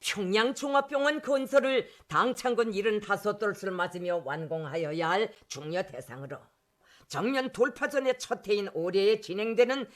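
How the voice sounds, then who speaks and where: Man, North Korean accent, very high pitch, formal political oratory, solemn, emphatic declamation. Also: animated, moderate pace, a bit bright. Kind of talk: formal scripted political speech.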